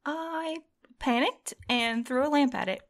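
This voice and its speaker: A woman's voice: high-pitched, unhurried. A woman playing an anxious, determined, exhausted courier in an audio drama, earnest and strained. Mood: shaken. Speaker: actor in a fiction podcast. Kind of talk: naturalistic audio drama acting.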